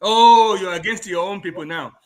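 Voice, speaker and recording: The man's voice sits high and moves at a moderate pace. He is a talk show guest from Nigeria with a Yoruba accent, emphatically discussing politics while switching between Yoruba and English.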